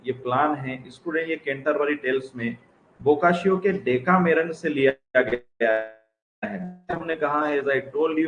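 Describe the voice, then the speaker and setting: A man's voice: fairly high pitch, muffled recording. A man teaching literature as an exam-prep lecture, explaining step by step and often calling out to the student, mixing English phrases into his speech. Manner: mixes English phrases into Hindi. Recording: echoey room with faint noise.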